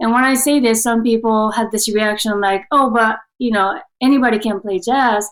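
The woman's fairly high voice holds a very even loudness. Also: ordinary pitch variation, moderate pace. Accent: Japanese. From Japan. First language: Japanese. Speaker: jazz venue artistic director. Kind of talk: interview.

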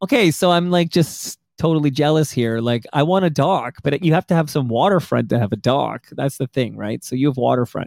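With a Canadian accent and an ordinary speaking voice, a man talks at a fairly quick pace and a fairly high pitch with hardly any pauses, in a very clean recording over a silent background. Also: ordinary pitch variation. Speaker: podcaster. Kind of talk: casual interview chat.

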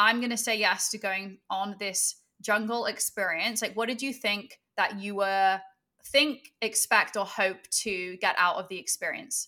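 A woman's medium-pitched voice with a British accent, animated and enthusiastic in tone, bright and sharp, in a very clean recording with a silent background. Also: fairly slow pace. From England. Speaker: podcast host and sex coach. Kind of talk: casual chat, podcast interview. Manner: animated, enthusiastic.

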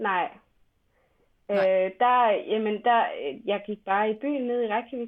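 Very slow speech with long, frequent pauses and ordinary pitch variation. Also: woman, fairly high pitch for a woman. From Denmark, Lolland. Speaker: language teacher and horse trainer. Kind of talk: interview. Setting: phone call. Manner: hesitant, many fillers.

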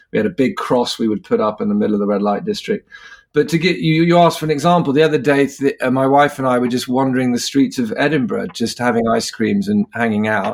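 Very fast and with hardly any pauses, a man talks at a fairly high pitch. His pitch swings very widely. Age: 40s. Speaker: evangelist. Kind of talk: interview chat about evangelism, preacher-like passion. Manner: passionate, preacher-like.

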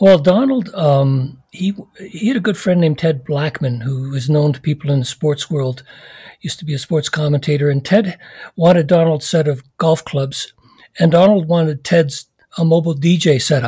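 A man speaks with a dark, mellow tone at a fairly high pitch. His pace is moderate and his pitch variation ordinary. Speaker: author and former tour manager. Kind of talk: interview.

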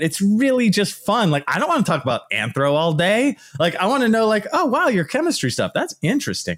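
A man talks with a West Coast American accent. His pitch swings very widely. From California, Bay Area. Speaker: archaeologist and podcast host. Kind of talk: casual interview chat.

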